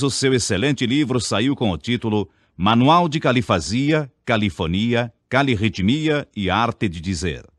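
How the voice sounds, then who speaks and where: A man with a Brazilian Portuguese accent narrating a scripted speech lesson, slowly over-enunciating his example words. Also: lowish voice, dry recording, studio quality. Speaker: speech teacher.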